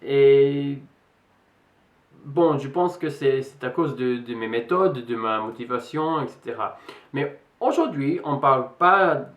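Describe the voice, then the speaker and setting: A young English man talks to camera in French, his English accent shading a little American. He hesitates often, circling back with fillers and restarts, and his voice sits at an ordinary pitch in a noticeably echoey room. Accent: English speaker in French, slightly American-tinged. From England. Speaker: vlogger. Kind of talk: casual vlog talk to camera. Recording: roomy echo.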